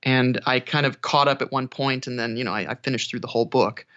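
Bright-voiced man in dull lo-fi audio. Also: medium pitch, fairly even intonation, a little fast. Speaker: audiobook narrator, interview guest. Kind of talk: casual conversational interview.

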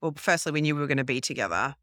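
A woman in her forties with an Australian accent, French her first language, telling her life story in a restless, quick, self-correcting way as a podcast guest in a hotel room. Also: deep voice, lively intonation, fairly bright tone, dry recording, studio quality. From grew up in French Polynesia, then Australia. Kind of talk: casual interview storytelling.

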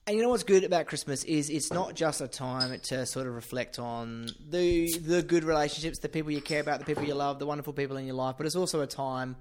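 A man's voice: a little high, quick pace, hardly any pauses, a little hiss or hum. English guy hosting a podcast, casual rambly chat, repeats himself for emphasis. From England. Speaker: podcast host.

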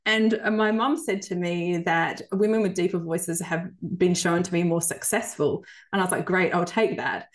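A woman's voice: fairly low pitch, steady tone, moderate pace, hardly any pauses. A woman, a podcast host and coach who talks in an enthusiastic, chatty way and laughs often. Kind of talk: podcast interview.

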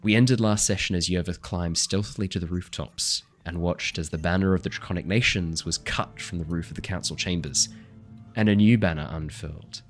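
A man running a tabletop game as dungeon master, slightly hoarse, chatty and apologetic while he sets up the session and reads the recap. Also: low voice, fairly quick, soft background music. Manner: chatty, apologetic, laughing between remarks. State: hoarse after illness.

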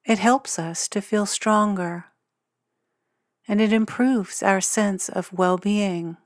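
A woman guiding a meditation in a gentle, soothing, unhurried way with long, measured pauses. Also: mid-range voice, no echo, studio quality. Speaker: meditation guide and podcast host. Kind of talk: guided meditation narration.

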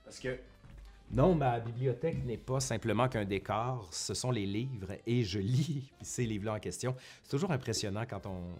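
A man's voice: lowish voice, a little mellow. A man with a Québécois French accent talking casually to his viewers like a professor turned vlogger, chatty and often correcting himself. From Quebec, Canada. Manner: chatty, self-correcting, with colloquial asides. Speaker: history YouTuber and university professor. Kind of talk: casual vlog monologue to viewers. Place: at home in front of a bookshelf.

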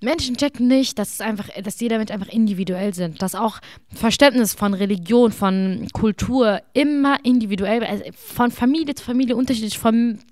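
A woman's voice: on the high side, fairly quick, darkish tone, no echo. A young woman whose first language is Arabic, talking earnestly in a casual conversation, often searching for words.

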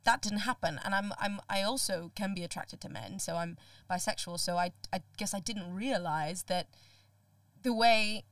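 Young woman from Sri Lanka, podcast guest, animated and laughing, dry, slightly distant mic. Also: medium pitch, moderate pace, no room sound. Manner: animated, laughs often, restarts words. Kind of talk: casual podcast conversation.

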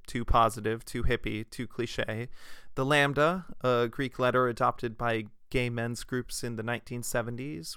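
A man giving a scripted essay narration in a measured way, reading quotations aloud. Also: mid-range voice, fairly bright tone, clean tone, no room sound, studio quality. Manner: measured, reads quotations aloud with "quote" and "end quote".

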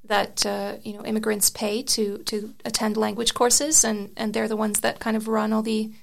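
With vocal fry and a voice on the high side, a young woman delivers her answers flatly at a normal speed. She is a native Serbian speaker and the author of an article, a guest in a conversational interview, thoughtfully explaining her views while often restarting and using fillers.

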